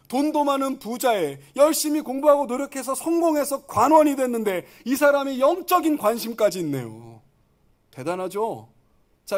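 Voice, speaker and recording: A male pastor preaching a sermon, animated and full of rhetorical questions to the congregation. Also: very high-pitched.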